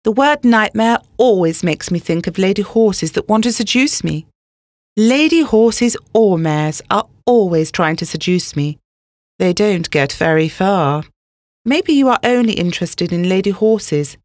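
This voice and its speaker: A woman's voice: mid-range voice, no echo, clean studio sound. Woman voicing an earnest, smitten young racehorse. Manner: earnest, gushing, reading punctuation aloud. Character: lovestruck vain young male racehorse writing a love letter. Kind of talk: comic letter reading.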